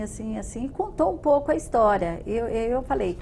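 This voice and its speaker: Over light background noise, a woman speaks with very wide pitch swings. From Minas Gerais, Brazil. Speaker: state legislator. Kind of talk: TV interview. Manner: halting, many fillers. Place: studio. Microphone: lapel.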